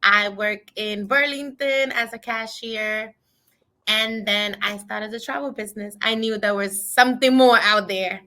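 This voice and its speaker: A woman from Puerto Rico, raised in the Bronx, co-hosting a casual chat, excitable and quick to laugh. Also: medium pitch. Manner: giggly, excitable. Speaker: co-host, travel agent.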